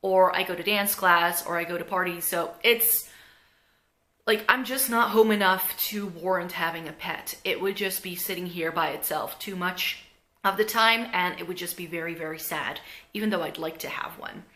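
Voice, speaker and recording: Bright-voiced Dutch woman chatting to camera. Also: lowish voice, moderate pace. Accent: Dutch with some American. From Netherlands. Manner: chatty, rambling with many fillers. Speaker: beauty vlogger. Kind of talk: casual chat to camera. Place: living room indoors. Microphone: camera in front at close range.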